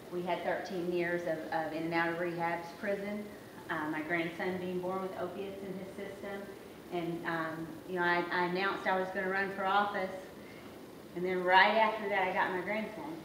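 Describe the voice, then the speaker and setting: With noticeable background noise and audible room echo, a woman speaks at a moderate pace in a medium pitch with monotone, flat intonation. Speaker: state legislator. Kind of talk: talk to a community coalition meeting. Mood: earnest, personal. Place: meeting room. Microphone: camera far.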